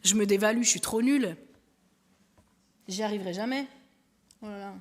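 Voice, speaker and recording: A woman giving a lively, conversational sermon, talking through an illustration with a helper and the congregation. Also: medium pitch, moderate pace, a little hiss or hum. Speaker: preacher. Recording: long hall reverb.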